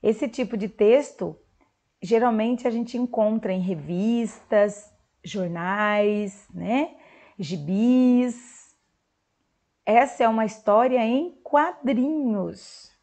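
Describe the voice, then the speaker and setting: A woman teaching a recorded lesson to young children in Brazilian Portuguese, speaking clearly and drawing out words for them. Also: on the high side, slow, darkish tone. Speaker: primary school teacher.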